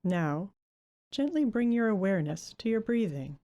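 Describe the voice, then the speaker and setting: A woman leading a guided Christian meditation, giving gentle, unhurried instructions with long pauses between phrases. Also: medium pitch, very animated.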